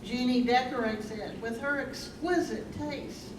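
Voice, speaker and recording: A woman's voice: on the high side, a little slow. A woman narrating in a staged play reading, delivering scripted lines. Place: live staged reading in a room. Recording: echoey room, distant mic, noisy.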